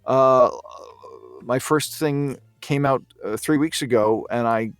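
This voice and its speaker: A man's voice: mid-range voice, slow, clear, resonant tone, dry recording, faint music behind. A man speaking as a guest voice actor in a casual podcast chat, hesitant and meandering, a little self-deprecating.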